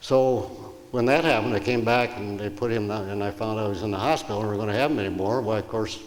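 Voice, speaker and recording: Talking at a very fast pace, a man with a Midwestern US accent uses a fairly low voice with ordinary pitch variation. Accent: General American, Midwestern. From Detroit, Michigan. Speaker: World War II bomber pilot, veteran. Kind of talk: interview answer, wartime recollection.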